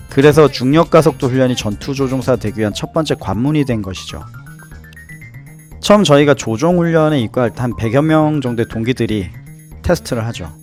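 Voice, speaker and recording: A man's voice: mid-range voice, darkish tone. A man giving a casual explanatory voice-over, playfully dramatizing and posing rhetorical questions as he goes. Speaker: host and narrator, former pilot trainee.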